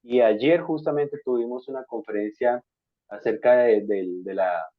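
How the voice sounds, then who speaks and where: A man from Colombia hosting an interview on a video call, courteous and measured with frequent hesitations. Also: medium pitch, no echo. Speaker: interviewer, school counselor. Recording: dry, tinny call audio.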